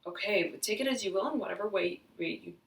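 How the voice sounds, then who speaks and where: A woman giving an intuitive tarot reading, halting and searching as she talks, slightly hoarse, often saying "right" and "I'm hearing.". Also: medium pitch, distant mic. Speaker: tarot reader. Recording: roomy echo, voice off-mic.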